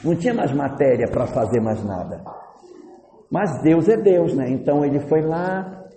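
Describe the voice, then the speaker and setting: A man's voice: a little high, lively intonation, normal speed, mellow. A man giving a conversational storytelling talk about love. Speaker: lecturer. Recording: echoey hall, faint noise.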